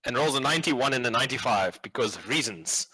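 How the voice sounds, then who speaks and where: A man's voice: mid-range voice, animated, brisk, a crowd in the background, rough recording. A man acting as game master, improvising tabletop game narration in a casual, sweary, slangy way.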